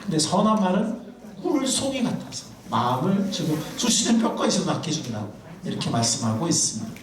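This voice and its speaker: A man preaching a sermon to a congregation, animated and quizzing his listeners. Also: on the high side, brisk. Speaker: pastor. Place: church sanctuary. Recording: echoey room, mic far off.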